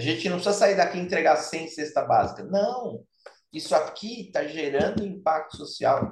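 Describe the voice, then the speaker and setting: A man's voice sits at a high pitch with ordinary pitch variation. He talks at a moderate pace. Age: 50s. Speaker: entrepreneur and business consultant. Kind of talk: casual interview chat.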